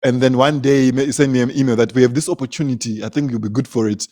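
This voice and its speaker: A man's voice: mid-range voice, fairly even intonation, racing, a little mellow. A young man from Zimbabwe, a comedian, telling stories in casual conversation, laughing often and repeating words as he goes. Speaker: comedian, guest.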